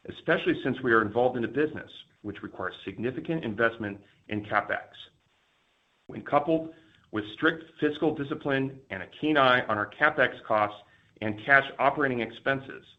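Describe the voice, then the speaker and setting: Formal male executive, dull lo-fi audio. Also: medium pitch. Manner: formal, measured corporate delivery. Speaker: company finance executive. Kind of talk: scripted earnings call presentation. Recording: dull, lo-fi conference call audio.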